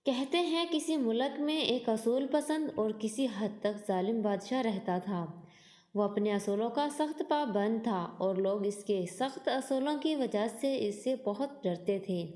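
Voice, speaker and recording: Woman narrator telling a moral story, soft mellow tone, lots of echo and reverb. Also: a little high, unhurried. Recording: echoey, long reverb on voice.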